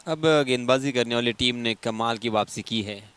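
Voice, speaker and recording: An Indian man with a smooth, clear voice at a medium pitch calls live cricket ball by ball. He explains the play as it unfolds and leans on repeated phrases for emphasis. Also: moderate pace, a bit bright. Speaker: cricket commentator.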